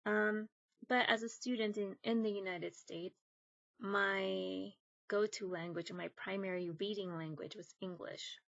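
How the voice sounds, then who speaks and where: A young woman from northern Mexico whose first language is Spanish, talking casually and thoughtfully to camera as a book vlogger, with frequent ums and pauses. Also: medium pitch, fairly even intonation, creaky, no room sound, highs cut off. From Monterrey, northern Mexico. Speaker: booktuber.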